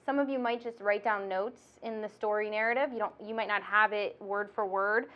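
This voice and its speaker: A woman with a nasal voice works as an instructor and podcast host, teaching through casual instructional chat in a bubbly, chatty manner and laughing often. Her pitch is medium with fairly even intonation, she talks briskly, and the sound is lo-fi.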